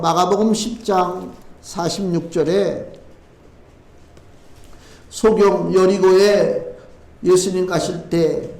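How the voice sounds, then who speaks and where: High-voiced male pastor preaching, echoey church. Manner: reads scripture slower and lower, then preaches with rising urgency. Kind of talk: sermon. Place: church sanctuary.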